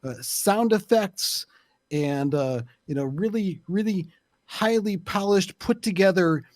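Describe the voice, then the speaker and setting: A man in a casual panel debate, stating opinions in deliberate, wordy phrases. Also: high voice, a little mellow, no room sound, studio quality. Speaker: panelist on a podcast discussion show.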